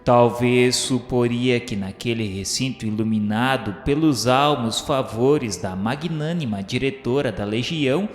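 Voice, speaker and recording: A man playing a solemn narrator in a scripted radio drama, speaking in a formal, measured way. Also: mid-range voice, close to an everyday voice. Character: solemn male narrator recalling the spirit world. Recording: echoey long reverb, music bed.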